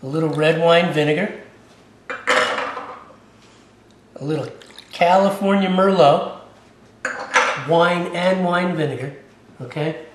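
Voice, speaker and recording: A man's voice: a little high, slow, long pauses, background noise. A man hosting his own cooking channel and walking through a recipe in a casual, chatty way, often checking in with "okay?". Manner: chatty, keeps tagging lines with "okay?". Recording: echoey room, mic a bit far off.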